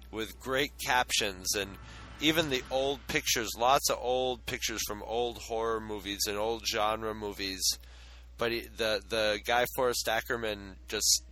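A man's voice: lowish voice, bright, forceful tone, slight background noise, poor audio. A man co-hosting a podcast in casual chat, talking in a jokey, rambling way. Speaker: podcast co-host.

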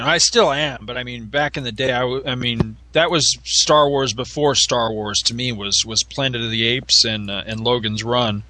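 A middle-aged man rambles through old memories in a relaxed chat, full of fillers and restarts. His voice is bright and forward, recorded dry with no room sound. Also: medium pitch, no room sound. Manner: chatty, nostalgic, rambling with fillers. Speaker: podcast co-host. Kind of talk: casual chat.

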